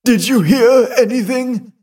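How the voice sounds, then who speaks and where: A man's voice: very high-pitched, unhurried, warm tone, far from the mic, voice pushed up. A male narrator voicing a flustered elderly father in a ghost story, exclaiming and giving orders. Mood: blustering. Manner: blustering, exclaiming, then commanding.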